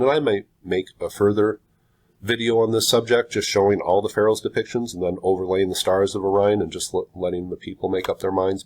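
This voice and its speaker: A man with a slightly low voice, sounding stuffed up and congested. He talks in a casual, unhurried way, breaking his sentences with pauses as he thinks. Now and then he reads aloud in the same easygoing tone. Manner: slow, halting, with frequent pauses. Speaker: video host. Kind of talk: casual commentary, reading aloud from a website.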